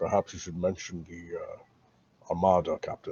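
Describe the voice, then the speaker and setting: In a put-on character voice, the speaker whispers quietly and breathily at a moderate pace. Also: man. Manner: whispering, secretive.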